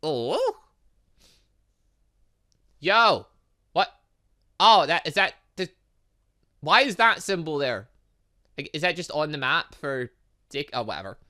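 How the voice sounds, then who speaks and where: A man's voice: fairly high pitch, sing-song, slow pace, pauses often, sharp tone. A man hosting a gaming video, reading game dialogue aloud with chatty asides and sometimes stumbling over words. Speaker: gaming channel host.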